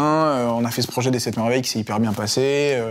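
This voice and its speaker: Speaking fairly quickly, a man uses a medium pitch with ordinary pitch variation. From Switzerland, Geneva. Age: 20s. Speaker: YouTuber and gamer. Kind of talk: casual interview. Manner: hesitant, many fillers.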